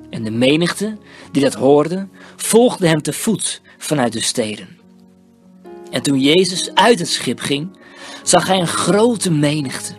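A reader giving a solemn, measured scripted Bible reading. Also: medium pitch. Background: soft background music.

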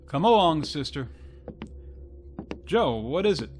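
A woman playing a gruff, no-nonsense country sheriff in a radio horror drama, brusque and hard-boiled. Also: low voice, very animated, slow, a little mellow, faint music behind, full character voice.

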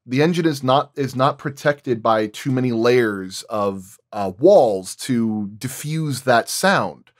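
A man's voice: medium pitch, lively intonation, takes it slowly, hardly any pauses, no room sound, studio quality. A man working as a sound designer explains his craft in detail in a roundtable discussion.

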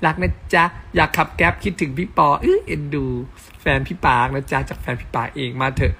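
A man's voice: fairly high pitch, vocal fry, sharp tone, a little hiss or hum. Chatty man reading fan comments live. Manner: chatty and affectionate toward fans; spells letters out slowly. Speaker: live-stream host. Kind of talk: casual live-stream chat, reading fan comments aloud.

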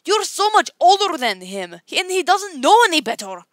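A woman's voice: very high-pitched, very animated, moderate pace, a bit bright, dry recording, studio quality, pitched above the performer's own voice, exaggerated voice. A woman playing a blunt, protective middle-aged circus strongwoman in an audition, firm and emphatic. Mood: stern, scolding.

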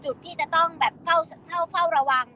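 A woman hosting a live news discussion, asking quick questions about the flood. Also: very high voice, steady tone, bright, forceful tone, a little hiss or hum. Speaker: news host.

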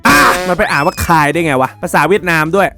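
A man hosting a reaction video, loud and excitable, with crude slang and frequent shouts. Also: a little high, fast talker, gravelly, music in the background. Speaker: YouTube reaction host.

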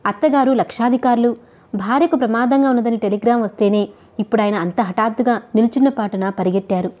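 A woman voicing a kindly, world-weary old male chauffeur who speaks in a gentle, consoling way. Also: on the high side, fast talker, lightly acted.

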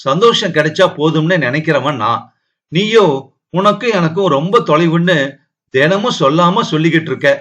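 A man's voice: on the high side, fairly bright tone. Bitter sarcastic young husband, defensive, storybook reading, done by a man, slightly raised voice. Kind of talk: audiobook character reading.

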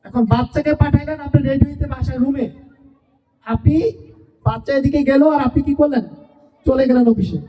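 A woman's voice: high voice, fairly quick, pauses often, dark tone. A woman teacher gives a farewell speech to parents, asking rhetorical questions and repeating her points. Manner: asks the audience rhetorical questions, repeats phrases. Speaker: school teacher addressing parents. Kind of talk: farewell speech at a school event. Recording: distant voice from far off.

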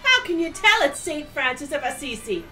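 An actress voicing a brash, bossy pregnant young woman in a comic radio drama, crude and sharp-tongued. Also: sits high, very animated, moderate pace, soft background music, heavily acted. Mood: awestruck.

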